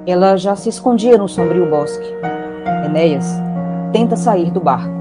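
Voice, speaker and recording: A woman's voice: fairly low pitch, lively intonation, normal speed. Woman narrator over prominent guitar music. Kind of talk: scripted storytelling narration. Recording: loud background guitar music.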